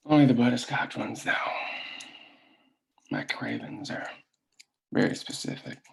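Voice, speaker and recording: An actor playing a patient, self-assured and menacing company owner in a script table read, telling his story in a measured, deliberate way. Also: medium pitch, huge pitch swings, vocal fry, breathy edge, full character voice. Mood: quietly threatening.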